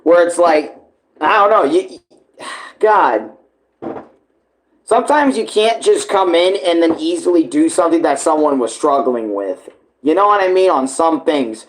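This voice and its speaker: On a low-quality recording, a man with a slightly high voice and lively intonation rambles through casual reaction commentary at an unhurried pace. He's full of slang and swearing, talking like a host among friends and often calling people bro or dude.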